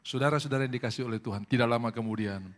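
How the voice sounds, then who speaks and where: A man's voice: medium pitch, racing. A man pastor preaching a sermon at a church service, exhorting and telling stories to the congregation. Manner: exhorting, addresses the congregation directly, storytelling.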